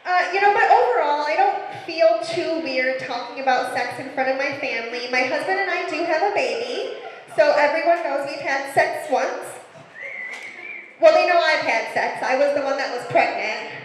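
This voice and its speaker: A woman in her thirties doing a stand-up comedy set on a club stage, with a deadpan, self-mocking way of telling stories into a handheld mic. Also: high-pitched, moderate pace, a little hiss or hum. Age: 30s. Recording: echoey club room with long reverb.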